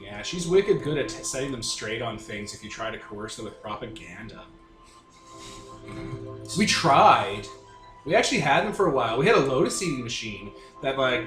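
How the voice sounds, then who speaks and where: A man's voice: medium pitch, fairly bright tone. A man running a tabletop game, narrating and bantering in a casual, jokey, colloquial way. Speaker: game master. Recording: roomy echoing sound with music behind.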